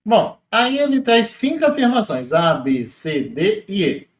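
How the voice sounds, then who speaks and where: A man walks through exam questions as a teacher, in a casual, explanatory way, slowing down to spell out syllables. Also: sits high, sing-song, reverberant. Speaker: Portuguese teacher.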